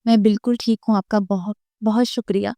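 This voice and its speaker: Earnest young wife in a storybook, voiced by a woman; smooth, close, dry sound. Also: medium pitch, steady tone, mellow, no room sound, lightly acted. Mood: grateful. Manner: earnest, firm when defending. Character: young wife, modest and protective. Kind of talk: storybook reading.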